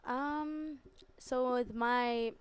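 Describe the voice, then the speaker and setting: A woman's voice: high voice, extremely slow, smooth. A young woman from Canada, an R&B singer, chatting casually as a podcast guest with many fillers and easy laughs. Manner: relaxed, laughs often, lots of likes and fillers. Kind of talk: casual interview chat. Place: podcast studio.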